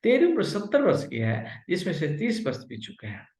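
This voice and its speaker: A man's voice: fairly high pitch, wildly swooping pitch, fairly quick, a little mellow, voice pushed up. A man voicing a stern but compassionate Hindu god in a folk tale, giving solemn, admonishing counsel. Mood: solemn instruction. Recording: muffled, echoey home recording.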